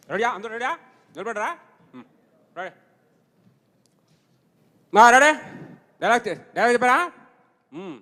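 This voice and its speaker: A bossy, impatient film director, as a man puts him on yells orders in a strained, very high and bright voice, with every shout ringing out in a long hall reverb. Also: exaggerated voice. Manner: barks orders loudly.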